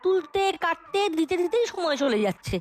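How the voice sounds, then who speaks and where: Confident ten-year-old cartoon boy, mischievous, eager, very animated, fast. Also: extremely high pitch. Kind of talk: comic cartoon acting.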